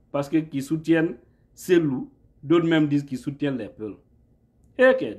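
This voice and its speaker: Man, high-pitched, thirties, emphatic political monologue, phone at arm's length, indoors. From Guinea. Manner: emphatic, rhetorical, asks "hein?" often. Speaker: political commentator. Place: indoor room at home. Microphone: phone camera held at arm's length.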